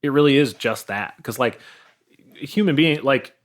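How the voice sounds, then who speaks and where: A man's voice: mid-range voice, normal speed. A man in casual podcast chat, talking in an emphatic, rambling way and mocking himself. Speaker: podcast speaker.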